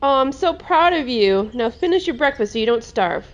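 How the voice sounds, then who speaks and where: A motherly, playful cartoon pony mom, voiced by a woman. The voice is high and very lively in melody, encouraging and caring, captured in dull lo-fi amateur sound. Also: normal speed. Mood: reassuring.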